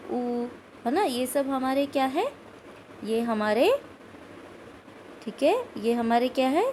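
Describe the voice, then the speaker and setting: A woman's voice: high-pitched, a little mellow, a little hiss or hum, poor audio. A woman teaching a recorded school Hindi lesson, explaining step by step and repeating words and sounds aloud. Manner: asks questions of pupils, adds "ठीक है" often.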